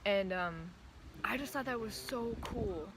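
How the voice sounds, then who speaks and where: A trans man talks through his thoughts in a casual vlog, his voice still often heard as female. He pauses, says um a lot and restarts sentences. A clear, steady noise runs under the recording, maybe from a vehicle. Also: high voice. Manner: thoughtful, hesitant, many ums and restarts. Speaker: vlogger.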